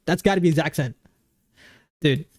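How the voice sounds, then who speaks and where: A woman with a low, darkish voice chats casually with viewers while live streaming a game, speaking at a moderate pace into a desk microphone on an arm with no echo. She reads their messages aloud and keeps breaking into song.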